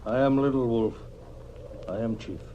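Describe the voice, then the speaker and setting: A man's voice: medium pitch, moderate pace, highs cut off, lightly acted. An actor playing a stern, proud Native American chief and father, speaking terse, formal broken English in an old radio Western. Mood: commanding. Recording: noisy old-time radio recording.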